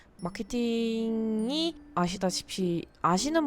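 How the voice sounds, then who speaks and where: A woman's voice with music in the background. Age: 30s. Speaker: vlogger. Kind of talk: casual talk to camera.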